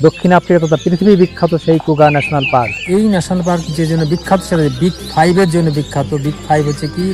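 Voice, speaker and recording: Against clear music in the background and a dry sound with no echo, a man speaks at a high pitch with fairly even intonation. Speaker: travel vlogger. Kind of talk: travel vlog narration to camera. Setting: outdoors in a safari vehicle. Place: open country. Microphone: lapel.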